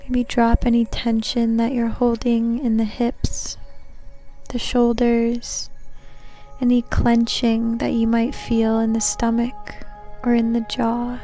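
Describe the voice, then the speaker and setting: A woman leading a guided meditation in a soothing, gentle, unhurried manner. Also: a little high, monotone. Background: soft background music.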